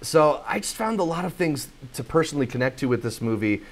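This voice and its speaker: A man's voice: fairly high pitch, sing-song, a little fast. A young man hosting a casual podcast chat, introducing news segments and talking through his opinions. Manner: leads segments, reads news items smoothly. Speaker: podcast host.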